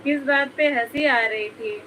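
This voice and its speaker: A woman's voice: sits high, unhurried, sharp tone, slight background noise, rough recording. A woman hosting a casual live stream, chatting with viewers, reading their comments aloud and teasing them by name, often breaking into giggles.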